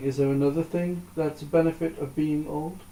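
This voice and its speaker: The intonation is monotone and flat, with noticeable background noise behind it. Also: man. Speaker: interviewer. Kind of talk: interview question.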